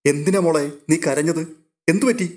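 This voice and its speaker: A man voicing a calm, protective old grandfather who soothes his granddaughter in a read-aloud story. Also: on the high side, moderate pace, close to an everyday voice. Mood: soothing.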